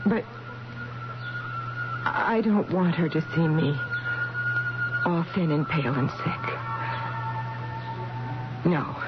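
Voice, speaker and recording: A woman's voice: low voice, takes it slowly, long pauses. An actress in a radio drama playing a frail, anguished middle-aged mother in a dreamy, yearning monologue. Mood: weary pleading. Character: frail, sick, anguished mother pleading with her own mother. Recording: dull lo-fi radio broadcast, music underneath. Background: music.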